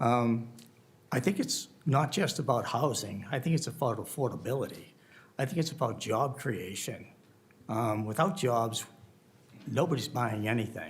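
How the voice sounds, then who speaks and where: With lively intonation and very even loudness, a man speaks at a medium pitch and moderate pace. His voice is somewhat breathy, and he leaves long, frequent pauses. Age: 70s. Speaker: town official / planning board member. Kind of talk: public meeting remarks. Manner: halting, many fillers and restarts.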